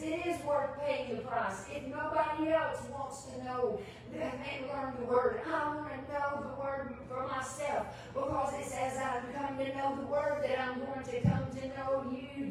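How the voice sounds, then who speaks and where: An older woman preaches in a very reverberant church hall, picked up from a distance with some background noise. Her voice sits fairly high. She delivers personal Bible teaching in an earnest, emphatic way, often repeating phrases. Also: fairly even intonation, measured pace, few pauses. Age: older, retired. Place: large church sanctuary, indoors. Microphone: distant camera microphone.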